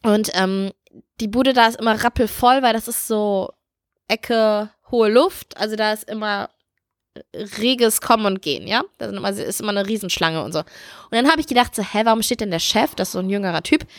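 A woman's voice: medium pitch, brisk, no echo, studio quality. A woman co-hosting a podcast, telling a funny anecdote in casual chat, giggly and self-mocking. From Turkish heritage. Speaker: podcast co-host.

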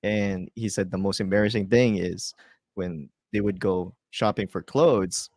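Low-voiced laughing man. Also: unhurried, gravelly, a little mellow, dry recording. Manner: laughs often, storytelling. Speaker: podcast co-host. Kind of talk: casual chat.

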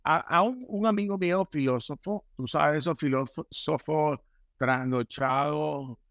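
A man's voice: on the high side, measured pace, a bit bright, no echo, clean studio sound. A man as a podcast guest, telling stories emphatically and repeating himself. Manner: emphatic, repetitive storytelling. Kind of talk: casual spiritual conversation.

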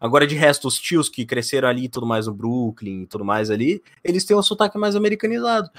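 A man's voice: mid-range voice, fast talker, dry recording. A young man from Brazil, chatting as a guest on a podcast. He talks eagerly and piles on slang. The voice sits mid-range on a dry, close studio mic. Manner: excitable and talkative, heavy slang. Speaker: podcast guest, video editor. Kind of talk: casual podcast chat.

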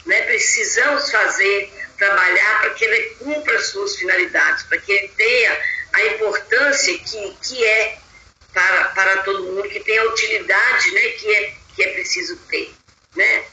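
A woman hosting an online group in a chatty, affectionate way, full of drawn-out fillers, over a video call. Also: medium pitch, bright, forceful tone, roomy sound, rough recording. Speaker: group host.

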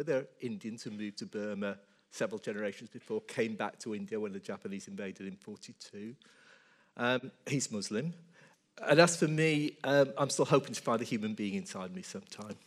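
A man's voice: on the low side, moderate pace. A man speaking on a live panel, telling a wry story and acting out the dialogue. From England.

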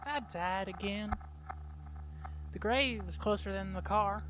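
A woman's voice: medium pitch, slow, fairly bright tone, slight background noise, poor audio. A woman playing a bitter, accusing woman back from death in an audio drama, confrontational in delivery. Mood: scornful.

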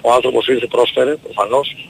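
A man in his forties with a gravelly, husky voice calls in to a radio show. He lays out his view in a measured, reasoned way, pausing on fillers as he goes. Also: mid-range voice, fairly even intonation, rough recording. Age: 40s. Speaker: caller. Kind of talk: call-in opinion.

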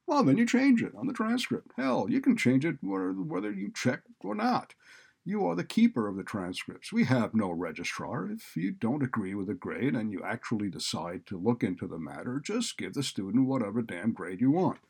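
A man's voice: medium pitch, very animated, moderate pace, creaky, a little mellow, husky, heavily acted. A man voicing a cynical, bullying college administrator who talks in a blunt, sardonic, browbeating way. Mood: cynical, breezy.

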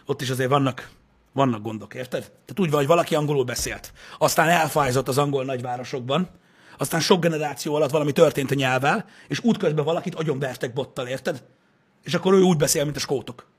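A young man in casual chat, ranting, swearing and now and then shouting as he co-hosts. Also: on the high side, slightly rough.

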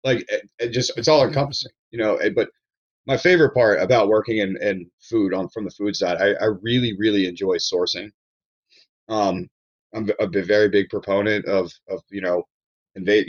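A low-voiced man from Maryland chats on a podcast, circling back over his words and swearing bluntly now and then. The sound is dull and a bit lo-fi. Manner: rambling, animated, with frequent restarts and blunt swearing. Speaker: podcast guest, chef. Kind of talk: casual podcast chat.

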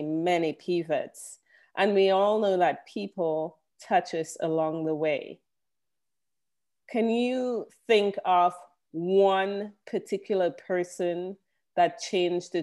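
A woman's voice: lowish voice, a little mellow. A woman hosting an interview podcast, effusive and encouraging toward her guest. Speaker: podcast host. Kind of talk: casual interview talk.

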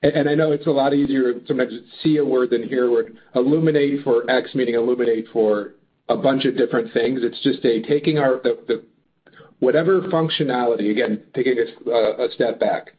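A man answering as a company executive on an earnings call, halting but upbeat and emphatic. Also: medium pitch. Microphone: phone or conference call line. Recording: muffled narrow phone line.

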